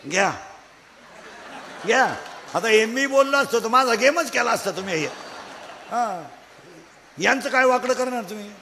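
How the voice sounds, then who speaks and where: A man preaches a comic kirtan, scolding his listeners and drawing answers from the crowd. His voice is very high and forceful. It rings out in a hall with a long echo and faint noise behind it. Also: moderate pace, long pauses. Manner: scolding, bantering with the crowd, shouting and singing at peaks. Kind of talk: comic devotional kirtan sermon.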